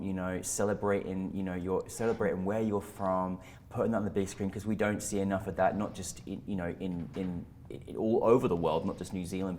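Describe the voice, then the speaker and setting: A man's voice: lowish voice, darkish tone. A man hosting a film interview, effusive and enthusiastic, rambling as he praises the film. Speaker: interview host. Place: indoor venue.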